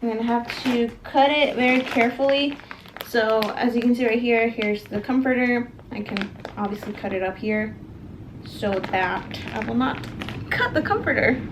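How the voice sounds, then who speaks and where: Filming at home in her bedroom and on the stairs, a young vlogger casually reviews products, talking directly to her viewers as guys with plenty of ums and likes. Her voice is a little high, her speed normal, and the background is noisy.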